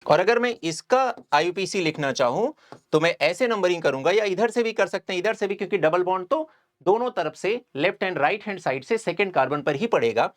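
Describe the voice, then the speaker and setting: Man teaching chemistry, lively pitch. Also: a little fast. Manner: explains step by step, often checks understanding with students. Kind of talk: whiteboard lecture.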